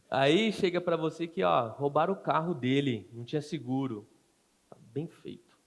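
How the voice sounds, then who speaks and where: A man's voice: fairly high pitch, expressive, normal speed. Conversational Brazilian man preaching a sermon. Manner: conversational preaching, acts out everyday quotes, frequent tag questions. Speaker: pastor.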